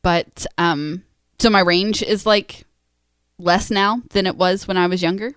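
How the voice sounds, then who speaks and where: A woman in her late thirties co-hosts a podcast, chatting casually with her husband in a relaxed, conversational way. Her voice is lowish, steady and a little bright, with a smooth, measured delivery. The studio-quality recording has no echo.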